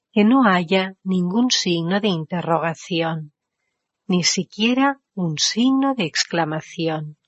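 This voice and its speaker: Slow, low-voiced woman interpreting a sermon. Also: no echo, muffled recording. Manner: rhetorical questions to the audience, explains foreign words. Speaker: interpreter of a spiritual discourse. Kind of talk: interpreted spiritual discourse.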